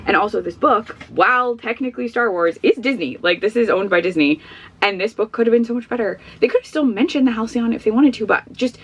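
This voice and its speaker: A woman's voice: on the high side, brisk, husky. A woman vlogging at home, chatting casually and rambling through frank book opinions, sniffly and losing her voice. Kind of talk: casual book review chat.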